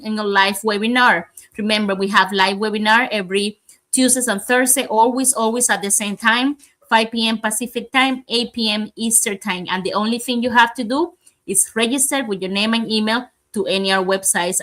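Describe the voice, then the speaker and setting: A woman from Cuba, co-hosting and announcing guests in a lively way. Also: on the high side. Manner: lively announcing, reads name lists. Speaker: co-host. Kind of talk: casual show chat.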